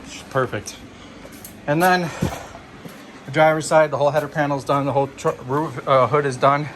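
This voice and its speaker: A man's voice: a little high, fairly even intonation, normal speed, a bit bright, slight background noise. A young man, out of breath, casually walking through his car body work in a garage and proudly pointing out details. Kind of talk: casual walkaround video log. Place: garage or workshop beside a car.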